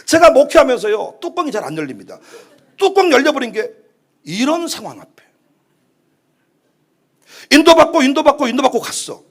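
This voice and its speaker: A male pastor preaching a sermon at a church prayer meeting, swinging from hushed asides to impassioned shouts. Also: extremely high pitch, big pitch swings, moderate pace, long pauses.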